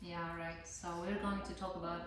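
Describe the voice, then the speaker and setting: A young woman with a Georgian accent co-hosts a relaxed podcast in her second language. She pauses and hesitates as she goes. The room rings heavily around her, she sounds off the mic, and music plays clearly behind. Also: lowish voice, heavy reverb, far from the mic. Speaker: podcast co-host, volunteer. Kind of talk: casual podcast conversation.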